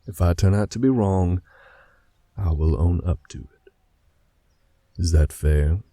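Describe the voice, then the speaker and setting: Brief: male actor as a gravelly, dark-voiced werewolf alpha, slow and commanding. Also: low voice, no echo, studio quality. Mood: stern. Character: male werewolf pack leader, protective and stern. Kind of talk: fan audio drama acting.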